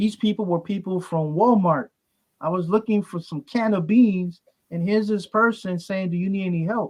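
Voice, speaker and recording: A high-pitched man with a Brooklyn accent talks at a moderate pace with fairly even intonation. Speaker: medicine man and spiritual healer. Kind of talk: interview. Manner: halting.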